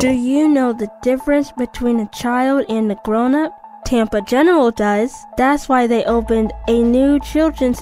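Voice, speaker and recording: Over music in the background, a woman talks at a moderate pace in a high pitch with ordinary pitch variation. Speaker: voice actor. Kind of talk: TV commercial read.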